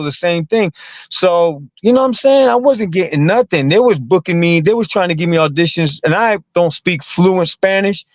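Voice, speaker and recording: A man's voice: sits high, no room sound. Guest comic, male, casual and rambling, stacks up repeated words, close dry sound. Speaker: comedian and actor guest. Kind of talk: casual interview talk.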